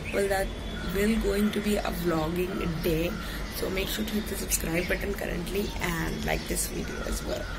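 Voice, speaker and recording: Background music accompanies a woman who talks at a moderate pace. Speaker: vlogger. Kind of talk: casual vlog chat. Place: home room. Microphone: phone near.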